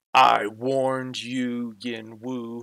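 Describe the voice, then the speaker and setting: Putting on a character voice, a man booms at a medium pitch with monotone, flat intonation. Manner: warning, commanding.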